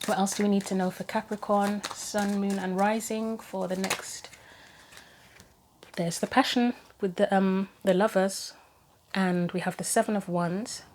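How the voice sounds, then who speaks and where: A woman giving a chatty solo tarot reading and reading guidebook passages aloud, her voice going hoarse. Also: mid-range voice, steady tone, unhurried, a little mellow, a little hiss or hum. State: losing her voice, throat going. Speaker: tarot reader.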